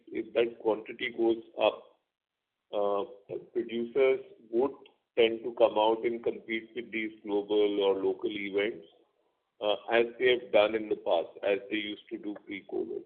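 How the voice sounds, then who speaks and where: A man with an Indian accent speaks as a company executive on an earnings call, explaining things in an assured way over a phone line. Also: on the low side. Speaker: company executive answering analyst questions. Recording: tinny narrowband conference phone line.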